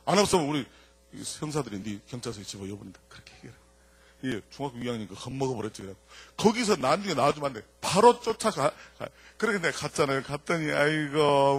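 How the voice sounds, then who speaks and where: An older man, a church elder telling a lively testimony to an audience, swinging between loud punchlines and quiet asides. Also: a little high, fast talker, husky, no room sound. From Jeolla, South Korea.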